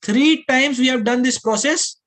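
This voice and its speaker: Measured in pace and a bit bright, the man's very high-pitched voice carries a South Asian accent. He's an aptitude teacher explaining a lesson step by step, going over points again, switching between English and Hindi, and regularly asking whether the class understands.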